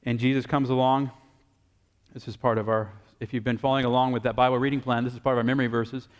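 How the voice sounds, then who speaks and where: A man's voice: mid-range voice, little pitch movement, fast talker. Earnest male pastor in a reverberant hall. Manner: earnest, pleading emphasis, repeats phrases. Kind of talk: sermon.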